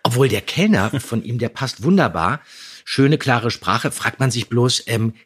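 A man's voice: mid-range voice, lively intonation, measured pace, a bit bright, breathy edge. A man co-hosting a podcast in casual review chat, giving his opinions emphatically. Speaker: podcast co-host.

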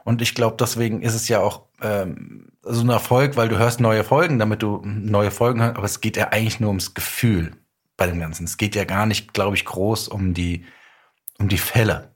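Low-voiced man explaining in German accent. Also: fairly even intonation, normal speed, husky. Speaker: guest, radio drama author and director. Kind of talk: reflective casual podcast interview.

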